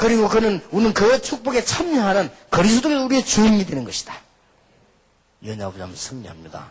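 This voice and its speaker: This speaker has a Busan accent and an animated tone. The pace is fairly quick, with big swings in loudness. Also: man, high pitch for a man, lively intonation. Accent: Busan dialect (Gyeongsang). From South Korea, Busan. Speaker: pastor. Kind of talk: sermon.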